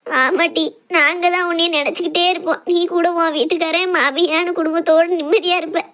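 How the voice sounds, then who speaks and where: A woman's voice: very high voice, steady tone, a little fast, dull audio. A woman voicing a fretting village mother, who consoles her family in a soothing way. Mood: consoling.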